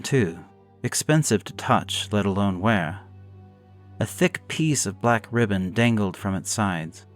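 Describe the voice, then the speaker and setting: A man narrating a gothic horror story in a measured, deliberate way. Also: fairly low pitch.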